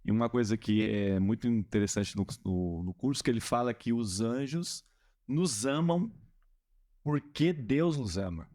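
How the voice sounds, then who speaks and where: A man's voice: mid-range voice, expressive, measured pace, a little mellow. A man hosting a religious podcast, affirming his guest and explaining ideas with restarts. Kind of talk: casual religious podcast chat.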